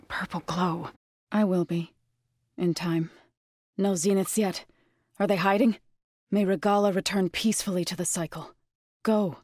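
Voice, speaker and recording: A solemn tribal grave singer from a video game, with a low, husky voice. She is gentle and earnest, choosing formal words with care. The sound is dry and close. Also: no echo. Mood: calm, resolute. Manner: measured, earnest, formal phrasing. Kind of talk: video game character dialogue.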